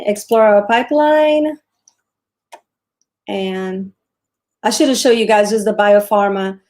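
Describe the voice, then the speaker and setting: A woman's voice: medium pitch, a little mellow. A woman from Brazil with a Brazilian accent, hosting a casual livestream about stocks, often restarting sentences and answering viewer questions. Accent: Brazilian Portuguese. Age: 40s. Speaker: show host, trader.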